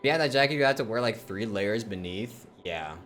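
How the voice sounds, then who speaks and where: A man chatting casually on a livestream in an informal, halting, conversational way. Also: fairly low pitch, expressive, fairly bright tone, faint music behind.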